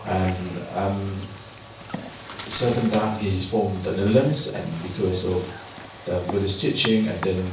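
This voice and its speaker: A man moderating a forum, slowly and hesitantly introducing the next speaker. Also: sits low. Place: large hall. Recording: very echoey hall from far off, background noise.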